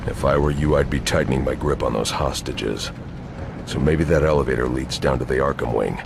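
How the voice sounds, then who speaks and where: A man's voice: extremely low pitch, fairly quick, background noise. An actor playing a grim, terse male vigilante who speaks in short clipped lines in a game cutscene. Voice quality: gravelly, terse. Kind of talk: video game cutscene acting.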